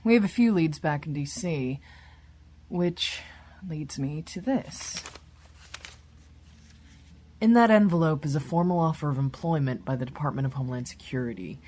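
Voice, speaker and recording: An actress playing a senior female government agent, formal and measured, in an audio drama. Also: sits low, darkish tone. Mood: formal, composed. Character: composed, persuasive female government agent in charge.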